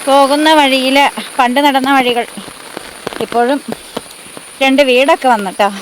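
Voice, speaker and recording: A middle-aged woman with a central Kerala Malayalam accent chats her way along a rural path in a casual vlog. Her voice sits high. She calls out fondly to chickens and other animals, with faint farmyard sounds behind her on a phone mic outdoors. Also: steady tone, normal speed, slight background noise. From Thodupuzha, Kerala. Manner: chatty, coos and calls out to animals. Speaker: vlogger.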